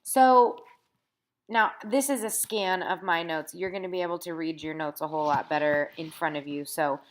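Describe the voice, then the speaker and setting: A woman's voice: lowish voice, normal speed, slight background noise. A woman teacher with a congested, sniffly voice, patiently explaining a recorded math lesson over her scanned notes and checking in with "okay?" as she goes.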